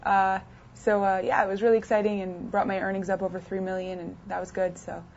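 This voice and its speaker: Young woman, interview guest, chatty with fillers; middle pitch, lo-fi recording. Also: little pitch movement, a little fast, vocal fry, a little mellow. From United States, partly raised in France. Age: 20s. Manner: chatty, many fillers and restarts. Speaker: interview guest, poker player. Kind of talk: casual interview answers. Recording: dull lo-fi sound.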